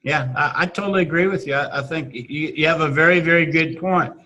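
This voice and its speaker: A man, a teacher chatting casually and haltingly with many restarts and fillers. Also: a little high, sharp tone, poor audio. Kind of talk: casual video-call chat.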